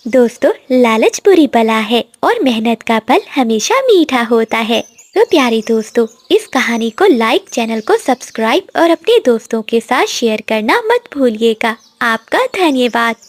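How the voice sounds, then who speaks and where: A woman narrating a cartoon story in a slow, moral-telling storyteller manner. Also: fairly high pitch, very animated, no room sound.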